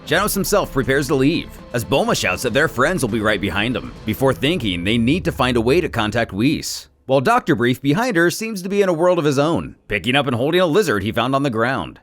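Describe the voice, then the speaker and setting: A man narrating a scripted story recap as channel host, telling it in an expressive way with casual asides. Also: medium pitch, fairly quick, few pauses. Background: soft background music.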